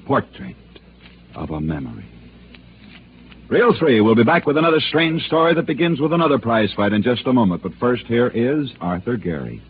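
A man hosting and narrating dramatic true stories in scripted radio style, with theatrical pauses. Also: mid-range voice, big pitch swings, over loud music. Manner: theatrical storytelling with emphatic pauses. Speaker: sports storyteller host. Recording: tinny old radio broadcast with hiss.

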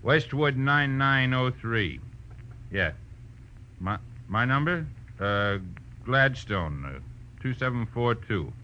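Sneering radio-drama thug, wildly swooping voice. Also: male voice, mid-range voice, big pitch swings, takes it slowly. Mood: agitated. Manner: slangy, taunting, bullying. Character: menacing, sneering tough crook with a gun. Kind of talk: 1940s radio crime acting. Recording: dull, lightly noisy old radio recording.

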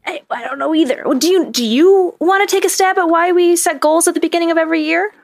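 A woman's voice: very high voice, gravelly. A woman co-hosting a casual podcast, playful and joking. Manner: playful, joking, quick asides. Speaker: podcast co-host. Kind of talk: casual chat.

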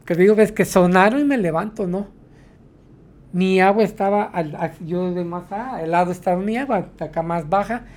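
High-voiced man spinning a tale. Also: normal speed, darkish tone. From Mexico. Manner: rambling, tags sentences with "¿no?". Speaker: taxi driver guest. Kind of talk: storytelling interview.

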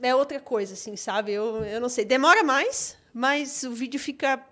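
A woman's voice: sits high, moderate pace, fairly bright tone. A young woman, a content creator, chatting casually as an interview guest, talkative and full of fillers.

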